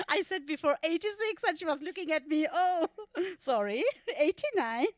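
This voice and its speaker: A woman's voice: very high voice, expressive, a little slow, no echo, clean studio sound. A woman moderating a round-table discussion in a friendly, informal way.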